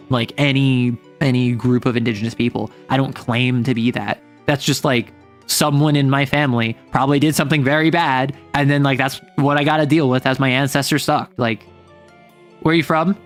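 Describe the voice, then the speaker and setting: A man's voice: medium pitch, fairly even intonation, moderate pace, soft background music. An American man, a young adult, chatting casually on a livestream in a rambling, self-interrupting, wry way. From United States. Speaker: streamer.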